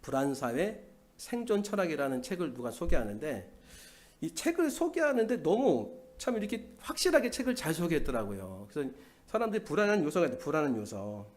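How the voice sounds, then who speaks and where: Man, middle-aged, pastor, church sermon, slightly high voice, very lively pitch, questions and answers himself. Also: brisk. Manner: animated preaching, swinging between loud bursts and quiet asides; asks the congregation questions and answers them himself. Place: church sanctuary.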